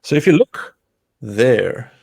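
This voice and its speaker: A man, an Afrikaans speaker, co-hosts a tech stream in relaxed, easygoing chat. His mid-pitched voice has a gravelly fry, and he fills the gaps with short agreeing murmurs. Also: slow pace.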